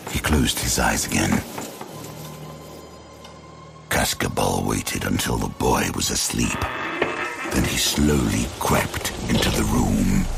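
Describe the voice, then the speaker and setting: Super deep slow guy doing ominous horror story narration, big music behind. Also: vocal fry. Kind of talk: dramatic scripted gothic horror narration. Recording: loud cinematic music bed. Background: loud dramatic music.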